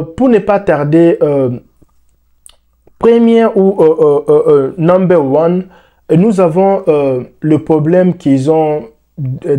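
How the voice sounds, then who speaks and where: A young Congolese man explaining the news to the camera, with lots of repeated words and fillers, on a lapel mic in a dark room. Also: on the high side. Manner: animated, repeats words, many "euh" fillers. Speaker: vlogger.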